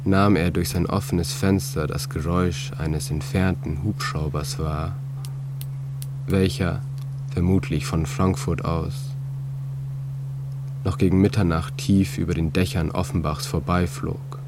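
A man reading a literary story in a calm, measured way, with many pauses. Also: low-pitched. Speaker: narrator. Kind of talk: scripted literary narration. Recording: steady hum and drone under the voice.

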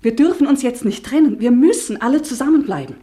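A woman's voice: sits high, lively intonation, fast, mellow. A woman playing a distressed, devoted wife and mother in a German radio drama, urgent and imploring. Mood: desperate pleading.

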